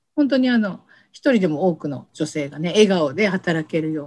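With an ordinary speaking voice, a woman talks at a fairly quick pace, her fairly low pitch carried by lively intonation. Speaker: career consultant. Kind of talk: interview. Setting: online call.

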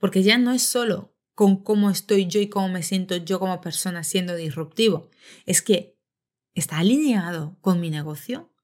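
Animated in tone, a woman speaks at a moderate pace, her medium pitch showing ordinary variation. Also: very clean recording, silent background. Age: 30s. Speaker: podcast host on social media branding. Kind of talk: solo podcast monologue.

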